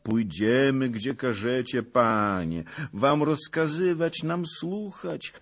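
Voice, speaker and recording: A man's voice: mid-range voice, animated, slow, voice pushed up. A man voicing a humble, white-haired old peasant in a storybook, pleading and obsequious in manner. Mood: meek, coaxing. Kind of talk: dramatised audiobook of historical novel.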